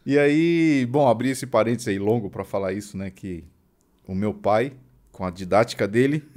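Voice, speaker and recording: A man from Brazil, a guest on a podcast, telling childhood stories in a relaxed chat and acting out the voices he quotes. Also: on the low side, moderate pace. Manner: animated anecdotes with laughs, acting out quoted voices. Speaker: podcast guest, trumpet player. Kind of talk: casual storytelling interview.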